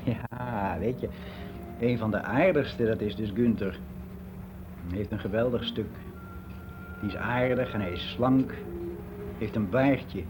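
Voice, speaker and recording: A man's voice: lowish voice, measured pace, long pauses, over music, natural voice. An actor playing a lonely, self-deprecating middle-aged gay man, confiding hesitantly in a naturalistic radio drama monologue. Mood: confiding, troubled. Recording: very noisy radio play recording.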